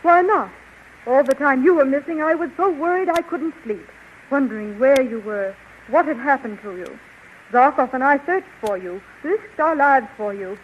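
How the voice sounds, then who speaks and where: A woman voicing a jealous, sharp-tongued young heroine in a 1930s radio drama, biting and sarcastic. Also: high voice, lively intonation, normal speed, a little hiss or hum. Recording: dull lo-fi 1930s radio recording.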